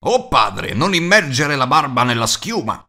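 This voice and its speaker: A man's voice: mid-range voice, very animated, measured pace, vocal fry, pushed and bright, full character voice. A man puts on a merry elf from a fantasy storybook. The voice calls out playfully, full of cheeky teasing. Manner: playful, calling out. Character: merry, teasing, singsong elves.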